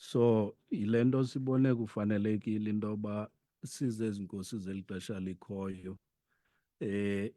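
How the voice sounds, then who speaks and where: A man's voice: on the low side, dark tone, no room sound, studio quality. A man with a South African Xhosa accent, explaining as a foundation chief in a radio interview, switching between two languages.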